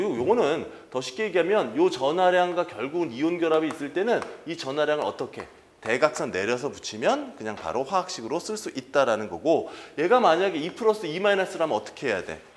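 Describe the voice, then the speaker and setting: A male chemistry instructor giving an exam-prep lecture, constantly throwing quick rhetorical questions at his students and answering them himself. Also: medium pitch, slight background noise.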